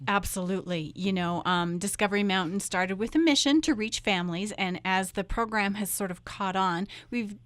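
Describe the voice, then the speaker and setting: A woman's voice: mid-range voice, moderate pace, hardly any pauses, fairly bright tone, no echo. Woman chatting in a dry studio. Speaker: children's radio show team member. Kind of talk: casual interview chat.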